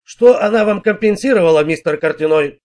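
A sardonic detective who needles a witness with pointed questions, as a male reader plays him. His tone is dry and pitched fairly high. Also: brisk, darkish tone, lightly acted. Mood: needling. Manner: ironic, pressing.

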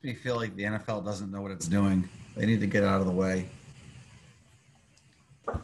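A man's voice: deep voice, fairly even intonation, normal speed, slight background noise. A man sharing his opinion reflectively and conversationally in a group call, often adding filler phrases. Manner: conversational, punctuated with "you know".

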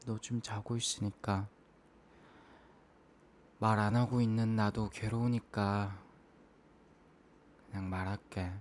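A man in an ASMR role-play as an apologetic, self-blaming young boyfriend, speaking in a soft, intimate, hesitant murmur. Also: on the low side, level tone, slow pace, pauses often, slight background noise.

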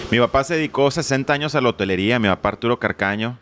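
A middle-aged Mexican man with a mid-range voice races through stories as an interview guest, joking and swearing casually, against a noisy background.

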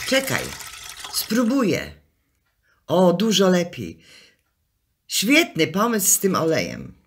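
A woman's voice: medium pitch, very noisy. A woman playing a chatty, fussing, cheerfully muddled wife in an amateur radio comedy, coaxing and exclaiming.

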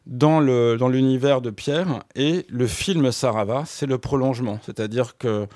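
A man's voice: mid-range voice, measured pace, darkish tone, no echo. Guy on the radio rambling about music history, lots of euh and restarts, dry close sound. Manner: hesitant, many restarts and fillers. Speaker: radio guest.

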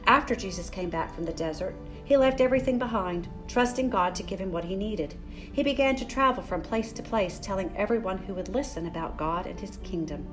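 An older woman hosting a children's story time, speaking in a gentle, deliberate way for young listeners. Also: mid-range voice. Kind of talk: children's story time, picture book read-aloud. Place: furnished room in a church building.

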